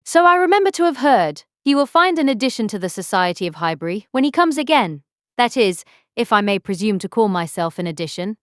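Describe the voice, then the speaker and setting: Woman playing a vain, swooping gentlewoman. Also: mid-range voice, sing-song, brisk, no echo, studio quality, natural voice. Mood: smug, affected. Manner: affected, pompous, chatty. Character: vain, self-satisfied young married gentlewoman, gushingly pretentious. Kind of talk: full-cast audiobook period drama acting.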